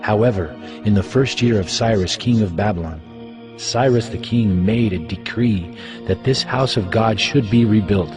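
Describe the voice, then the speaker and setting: Man acting a deep-voiced solemn Jewish elder. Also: natural voice. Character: male Jewish elder, solemn servant of God recounting history. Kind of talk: dramatized Bible reading. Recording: music bed under the voice.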